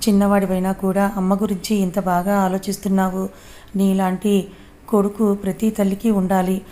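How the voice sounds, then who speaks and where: A woman voicing a tearful, caring young aunt in a read-aloud family story, in a soft, emotional manner. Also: medium pitch, flat delivery, normal speed, lightly acted. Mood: tender.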